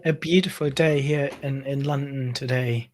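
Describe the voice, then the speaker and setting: A man hosting a live conversational interview, speaking in a somewhat halting way with repeated words. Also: mid-range voice, fairly even intonation, a crowd in the background. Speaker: interview host.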